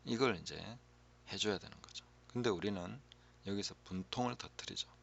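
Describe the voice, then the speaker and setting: A low, gravelly man's voice gives a calm, reflective Bible teaching as a pastor, often sinking to a hushed tone. The recording sounds dull and lo-fi. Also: moderate pace, a little hiss or hum.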